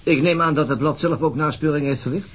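A man's voice: fairly high pitch, steady tone, fast, breathy edge. A man with a Netherlands Dutch accent playing a sceptical, laconic police detective in a radio drama, terse and questioning. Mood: sceptical, wry.

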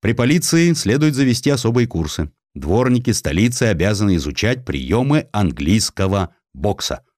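A man's voice: lowish voice, big pitch swings, normal speed, hardly any pauses, a little mellow, no echo, studio quality. A man voicing a pompous, blunt, commanding police chief of tsarist times in an audio drama. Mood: pompous, instructing.

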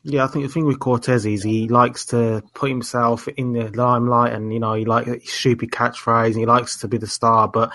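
Man, mid pitch, dry close sound, opinionated, casual. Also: flat delivery, normal speed, hardly any pauses, sharp tone, dry recording. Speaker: podcast co-host. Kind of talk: casual boxing chat.

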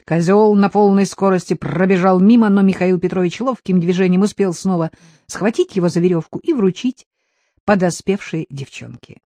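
A woman narrating an audiobook in a lively storytelling manner. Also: fairly low pitch, normal speed, dry recording, clean studio sound.

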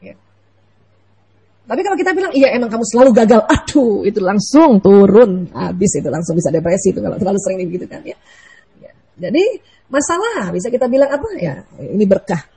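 A woman giving a lively, playful religious lecture to mothers, often asking the audience questions. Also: mid-range voice, fairly quick, long pauses, breathy edge, rough recording. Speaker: Islamic lecturer.

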